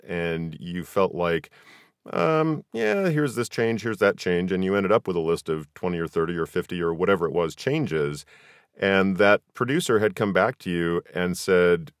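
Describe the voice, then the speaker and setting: Man, very low voice, podcast host, measured delivery, conversational, dry recording. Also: dry recording. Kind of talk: conversational interview.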